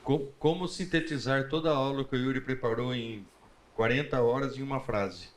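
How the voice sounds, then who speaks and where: Man, Brazilian accent, medium-pitched voice, didactic, conversational class lecture. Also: normal speed, a little hiss or hum. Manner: didactic, asks the class questions. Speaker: Bible class teacher.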